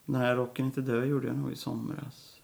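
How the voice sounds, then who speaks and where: A man at a medium pitch and moderate pace, with monotone, flat intonation. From Sweden, Uddevalla (west coast). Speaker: rock guitarist. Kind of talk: casual interview.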